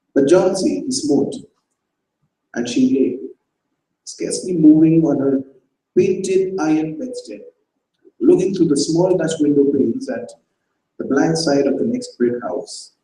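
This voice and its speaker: A man giving a dramatized reading of a short story on a festival stage, in a measured storytelling manner. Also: on the high side, warm tone, slight background noise. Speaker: reader. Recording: echoey hall, distant mic.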